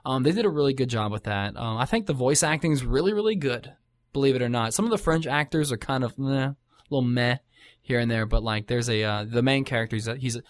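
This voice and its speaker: A man's voice: mid-range voice, fast talker, dry recording. Rambling man in casual chat, dry sound. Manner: rambling, many fillers and restarts. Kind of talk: casual chat about video games.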